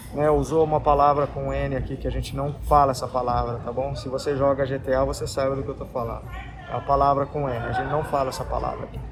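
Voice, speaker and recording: With noticeable background noise and audible room echo, a man talks at a very fast pace. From Brazil. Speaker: vlogger. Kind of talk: personal storytelling vlog. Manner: casual, hesitant with repetitions.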